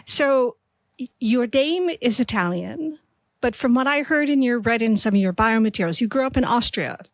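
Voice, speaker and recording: A woman's voice: a little high, expressive, normal speed, dry recording. A woman hosting a podcast interview, chatty and enthusiastic. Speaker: podcast host.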